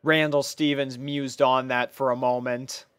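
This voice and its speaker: A man's voice: medium pitch, level tone, a little slow, fairly bright tone, clean tone, no echo, clean studio sound. A man narrating a scripted fan fiction story as a reader.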